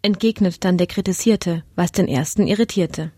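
A woman's voice: on the low side, moderate pace, warm tone, no room sound, studio quality, natural voice. A woman narrating a humorous rhyming poem with a playful rhythm.

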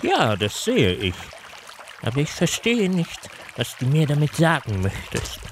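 A wise old female toad who gives solemn pronouncements, voiced by a man. The speech is very slow and the pitch rolls up and down dramatically. It comes from a comic audio play. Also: wildly swooping pitch, slight background noise.

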